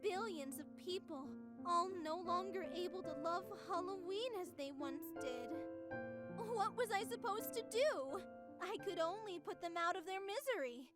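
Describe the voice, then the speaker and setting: A childlike female AI obsessed with Halloween, with an extremely high voice. She is theatrical and unhinged, sliding between sugary sweetness and menace, in a horror game with music underneath. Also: lively intonation, moderate pace. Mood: anguished, brooding. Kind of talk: scripted visual novel voice acting.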